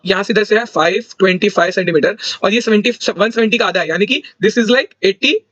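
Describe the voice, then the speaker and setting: A young man with a fairly high voice talks through exam solutions in a casual, thinking-aloud way, often correcting himself mid-sentence. The recording is dull and lo-fi, with a dry, close sound. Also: a little fast, fairly bright tone, dry recording. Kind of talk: casual explanatory walkthrough.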